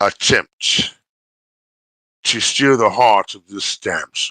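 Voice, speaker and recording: A man in a put-on character voice, talking at a very slow pace. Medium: actual play. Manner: smug, grudging.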